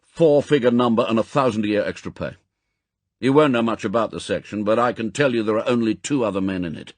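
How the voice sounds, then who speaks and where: Audiobook role: elderly male spymaster, done by a male reader, gruff, brusque, impatient, with a husky edge. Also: fairly low pitch, fast, dry recording, natural voice. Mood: brisk, commanding. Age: older. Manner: brusque, authoritative, clipped commands. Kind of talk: audiobook character acting.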